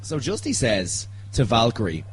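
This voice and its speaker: A man's voice: medium pitch, huge pitch swings, moderate pace, husky. A man telling a comic story in casual podcast chat, with a wry, teasing manner. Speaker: podcast panellist. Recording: noisy background with hum.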